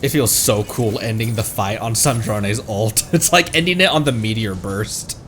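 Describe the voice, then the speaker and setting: A man streaming a video game with expressive delivery, commenting casually and reading game text aloud. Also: moderate pace, a little hiss or hum. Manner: expressive, jumps into high-pitched exclamations.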